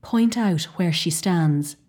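A woman's voice: fairly low pitch, animated, slow pace, darkish tone, breathy edge, exaggerated voice. A woman reading the part of a shaken Irish surgeon, an adult man, speaking in urgent, agitated questions.

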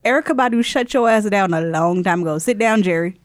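A woman on a podcast jumps in with emphatic, laughing jabs and short retorts. Her voice is mid-pitched and recorded dry and close, with no room echo. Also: quick pace. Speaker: podcast co-host. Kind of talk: casual gossip chat.

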